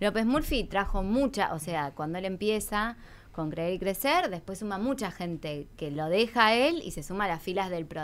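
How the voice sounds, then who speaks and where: Lively intonation marks this woman's speech. She keeps a moderate pace with hardly any pauses. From Argentina. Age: 30s. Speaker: political commentator. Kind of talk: radio interview. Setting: radio studio. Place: studio. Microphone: studio mic.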